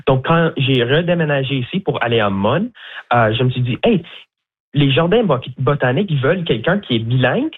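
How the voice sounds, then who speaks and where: A man's voice: medium pitch, lively intonation, a little fast, husky. A young man from Newfoundland, a bilingual guide at a botanical garden, answering interview questions in a chatty, hesitant way with many fillers. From Newfoundland, Canada. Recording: tinny phone line.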